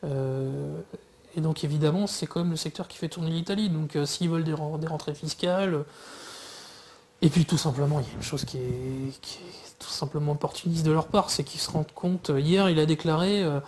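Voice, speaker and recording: A man talking through politics in a casual discussion, pausing often with fillers and restarts. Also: on the high side, darkish tone, a little hiss or hum. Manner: hesitant, many fillers and restarts. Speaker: guest commentator.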